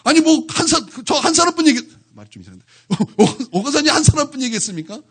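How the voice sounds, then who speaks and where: A man's voice: very high voice, sing-song, fast, fairly bright tone. A male pastor preaching a sermon in church, talking animatedly and keeping the congregation engaged with one question after another.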